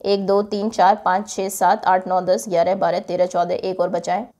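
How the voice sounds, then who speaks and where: A woman's voice: lowish voice, flat delivery, moderate pace, mellow. A woman teacher giving a classroom lesson, patiently repeating each word and then explaining its meaning, with English words mixed into her talk.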